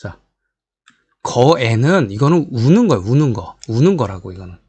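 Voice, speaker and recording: Animated man giving a history lecture. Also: medium pitch, moderate pace, husky, no echo. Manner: animated, rhetorical questions, addresses viewers directly.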